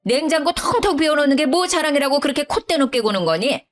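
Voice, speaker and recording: A bossy older mother-in-law, scolding and condescending, her voice pitched high and sharp with indignation, as a woman storyteller puts her on. She nags without letting up, the way a storybook matriarch lectures the young wife she looks down on. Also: expressive, quick pace. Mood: indignant.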